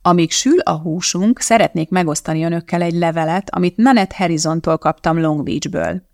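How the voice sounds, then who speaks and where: A composed woman cooking show host, as an audiobook narrator puts her on, explaining each step in a flat, matter-of-fact, scientific way. The voice is gravelly, and the storybook reading sounds dry and close. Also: medium pitch, dry recording, lightly acted. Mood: calm instructive.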